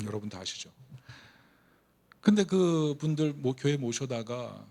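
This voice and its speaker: A man's voice: medium pitch, lively intonation, unhurried, creaky, warm tone. A middle-aged man preaching a Sunday sermon, telling a story and building to fervent, emotional emphasis. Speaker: pastor.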